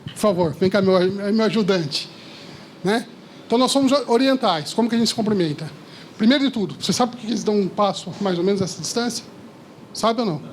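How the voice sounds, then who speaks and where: A man giving a lively seminar talk to a live audience, often asking the listeners questions. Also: high-pitched, fast, slight background noise. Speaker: speaker at a seminar. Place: lecture hall with audience.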